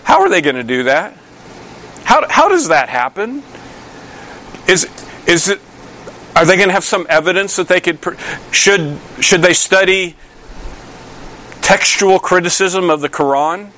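Higher-voiced man preaching a conversational sermon. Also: lively intonation, unhurried, pauses often, bright, forceful tone, a little hiss or hum. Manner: conversational, asks the congregation many questions, frequent restarts. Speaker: pastor. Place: church.

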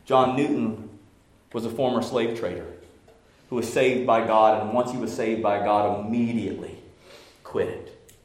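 A man preaching a sermon as pastor, swinging from shouted passion to hushed, near-whispered lines. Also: fairly low pitch, echoey room. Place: church sanctuary.

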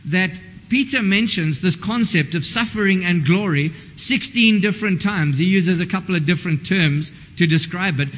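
A fairly high-voiced man preaching in a church, chatty and informal, stopping himself mid-thought and picking the thread back up. His voice carries a long hall reverb, and the recording sounds dull and lo-fi. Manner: conversational, self-interrupting and informal. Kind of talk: sermon.

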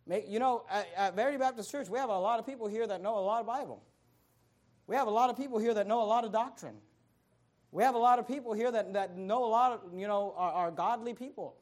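A man's voice: high voice, fast talker. A young adult man preaching a sermon as pastor, emphatic and repetitive, driving his points home.

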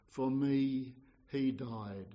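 A man's voice: mid-range voice, extremely slow, lo-fi sound. A man preaching an evangelical sermon in an earnest, exhorting manner, often repeating phrases and posing questions.

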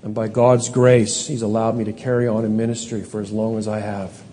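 A middle-aged man from Canada preaching a sermon as pastor, earnest, reading scripture slowly and with emphasis, sometimes correcting himself. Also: lowish voice, little pitch movement, mellow. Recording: long hall reverb.

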